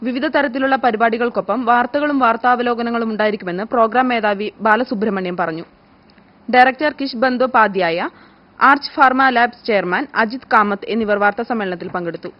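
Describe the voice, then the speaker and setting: A woman delivers scripted news in a fairly high voice. She reads very quickly, and the recording is dull and lo-fi. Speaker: news reader. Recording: muffled, low-fidelity broadcast audio.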